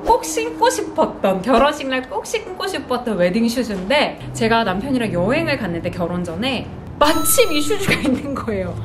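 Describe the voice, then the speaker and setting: Expressive high-voiced Korean woman vlogger. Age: 30s. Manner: chatty, expressive, cute exclamations. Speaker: vlogger, host. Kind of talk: casual product show-and-tell to camera. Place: bright small indoor room with sofa.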